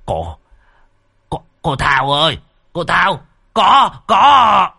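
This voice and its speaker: A man's voice: sits low, animated, a little slow, husky, no room sound, clean studio sound, heavily acted. A man voicing a frightened middle-aged male village healer in a spoken horror story, stuttering and panicky. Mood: panicked shouting. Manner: stammering, panicky.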